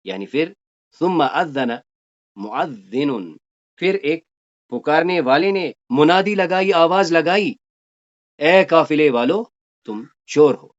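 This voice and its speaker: A man teaching a Quranic Arabic grammar lesson. He recites verses slowly and then explains them briskly. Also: on the high side, expressive, muffled recording.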